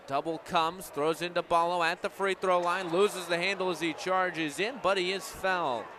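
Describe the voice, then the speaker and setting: Young man, American accent, high voice, live sports play-by-play, noisy venue behind. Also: steady tone, normal speed, bright, forceful tone. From United States. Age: young adult. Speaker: radio play-by-play broadcaster. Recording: live game broadcast, crowd noise behind. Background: crowd and game noise.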